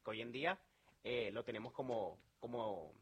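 A man's voice: mid-range voice, moderate pace, breathy edge. A man from Venezuela with a Venezuelan accent, talking earnestly as a sales manager in an interview, with many fillers and restarts.

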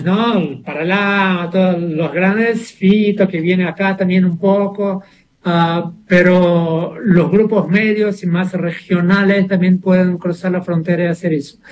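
A man's voice: sits high, a little mellow. A mature Brazilian man, a native Portuguese speaker with a Brazilian accent tinged with Buenos Aires Argentine, talking casually as a musician being interviewed, searching for words as he goes.

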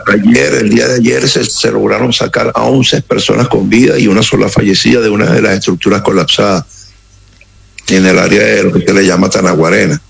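A middle-aged man from Caracas with a Venezuelan accent, speaking slowly and gravely as a radio interview guest, with frequent halting pauses. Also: lowish voice, steady tone, rough recording. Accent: Venezuelan Spanish. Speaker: interview guest, security operative.

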